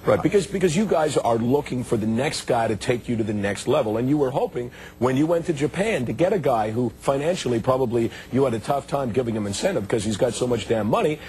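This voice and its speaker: A middle-aged man hosting a studio talk show, asking brisk, pointed questions with a teasing edge while his voice is going hoarse. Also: mid-range voice, lively intonation, darkish tone, a little hiss or hum, rough recording. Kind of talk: interview questioning. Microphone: lapel mic.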